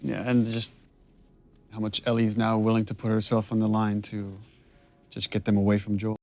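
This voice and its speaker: A man, the writer of the game, chatting on commentary, hesitant with many restarts but lively in his anecdotes. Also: fairly low pitch, normal speed, soft background music. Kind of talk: casual commentary chat.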